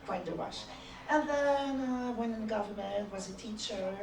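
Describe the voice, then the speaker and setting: A woman's voice: mid-range voice, moderate pace, crowd noise. A middle-aged woman from Canada, giving a conference talk in a chatty, anecdotal way. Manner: chatty, anecdotal, laughs often. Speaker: conference speaker. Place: conference hall. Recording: echoey hall from far off.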